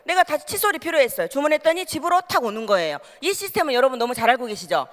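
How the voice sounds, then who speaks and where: A woman's voice: sits high, rapid-fire. A woman from the Gyeongsang region giving a motivational seminar talk, telling stories with frequent questions to the audience. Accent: Gyeongsang Korean. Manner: lively storytelling with asides to the audience. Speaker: seminar speaker. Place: seminar hall. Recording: reverberant hall.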